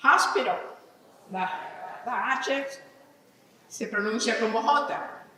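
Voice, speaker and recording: A woman's voice: on the high side, extremely slow, bright, forceful tone, slight background noise. A woman giving a live conference talk, teaching English vocabulary, reading word lists aloud and putting questions to the audience. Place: large conference hall. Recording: echoey hall from far off.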